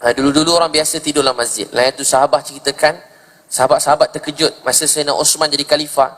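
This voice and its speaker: A man's voice: on the high side, steady tone, fast, fairly bright tone. A man preaching a sermon in Malaysian Malay, telling stories and repeating phrases for emphasis, with dramatic rises when he quotes. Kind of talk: sermon storytelling. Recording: long hall reverb.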